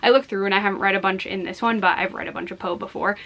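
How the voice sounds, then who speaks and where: Her tone comes across bright and sharp. The voice belongs to a woman. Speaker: book vlogger. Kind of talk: casual vlog. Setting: home office. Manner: fast.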